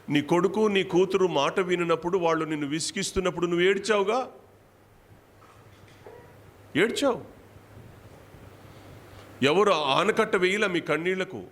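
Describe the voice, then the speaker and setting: A man's voice: high voice, a bit bright. A man preaching a sermon as pastor, firing repeated rhetorical questions at his congregation. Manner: repeats phrases for emphasis. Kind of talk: Telugu church sermon.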